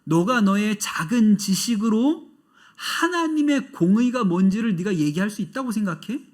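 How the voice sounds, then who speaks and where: A man preaching acts out a stern male God rebuking a man with rapid rhetorical questions. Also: high-pitched, expressive.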